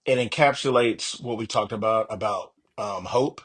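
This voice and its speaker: A man's voice: on the low side, moderate pace, breathy edge. A man speaking casually as an author guest in an interview.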